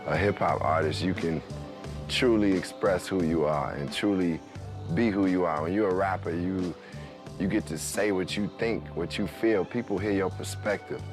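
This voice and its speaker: A man with a very deep voice speaking earnestly and repeating his points for weight. Music plays clearly under him. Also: normal speed. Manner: earnest, repetitive phrasing. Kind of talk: reflective interview talk. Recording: music playing behind.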